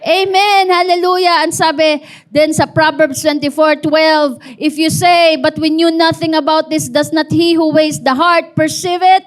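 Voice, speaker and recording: A woman pastor with a Filipino accent delivers a sermon, shifting between Tagalog and English. Her voice sits very high, and she tells stories with lively call-and-response to the congregation. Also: a little slow. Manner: animated storytelling with call-and-response.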